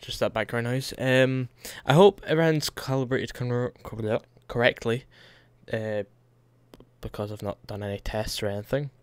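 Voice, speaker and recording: A man's voice: mid-range voice, fairly even intonation, normal speed, clean tone, dry recording. A young man casually commentating a strategy game, rambling and correcting himself, his nose a little blocked. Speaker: let's play host.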